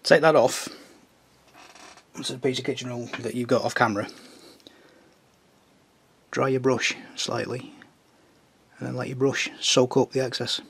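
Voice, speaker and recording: A man with a Northern English accent talks through his model painting in a relaxed, chatty way. His voice is husky and slightly strained, as if still getting over a throat illness. It sits at an ordinary middle pitch. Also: a little slow, pauses often. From Northern England. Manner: chatty, jokey asides while working. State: recovering from tonsillitis, voice strained. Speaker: scale model builder. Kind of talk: casual tutorial while painting a model.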